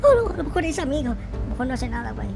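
Casting: male performer as naive, panicky Latin American boy gamer, high whiny voice, wildly swinging delivery, music behind. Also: sing-song, racing, creaky, heavily acted. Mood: panicked. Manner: exclamatory, dramatic, whiny. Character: excitable, easily panicked naive boy game character. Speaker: gaming YouTuber. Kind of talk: excitable gameplay roleplay commentary.

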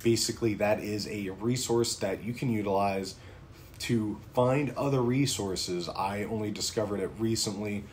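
A man's voice: lowish voice, moderate pace, a little mellow, slight background noise. A man in his thirties from Pennsylvania hosting a prepping channel, talking informally to camera from a small home office with frequent ums. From Pennsylvania, United States. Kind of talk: casual talking-head vlog.

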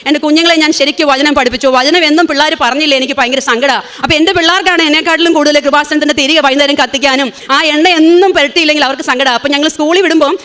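Fervent, fast-talking woman giving testimony. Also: sits high, a bit bright. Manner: fervent, rapid and emotional, with frequent restarts. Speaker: testimony giver. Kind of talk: church testimony.

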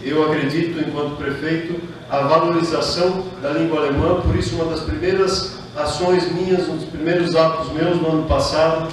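A man's voice: fairly high pitch, steady tone, a little fast, few pauses, recorded from a distance, noisy background. A middle-aged man from southern Brazil, a mayor raised speaking German, giving a formal ceremony speech at a podium, earnest, greeting guests one by one with small fillers. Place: large reverberant hall, indoors. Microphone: podium microphone heard from a distance. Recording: echoey hall, voice from afar.

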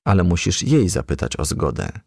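A man voicing a stern, fatherly male firefly who admonishes in measured storybook dialogue. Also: low-pitched, wildly swooping pitch, gravelly, a little mellow, breathy edge, dry recording, clean studio sound, exaggerated voice. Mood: kindly, measured.

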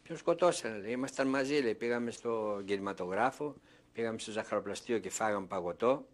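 Older man giving oral history testimony. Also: lowish voice. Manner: storytelling that acts out remembered dialogue.

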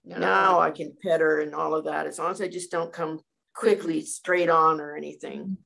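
A middle-aged woman chatting casually during a clay class, soft-spoken and relaxed. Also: low voice, moderate pace, creaky. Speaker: class participant. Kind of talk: casual chat.

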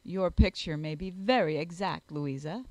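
A woman voicing an amiable, good-natured young gentleman in a storybook, with an earnest, courteous manner. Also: on the low side, normal speed, no room sound, pitched below the performer's own voice, lightly acted. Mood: gallant.

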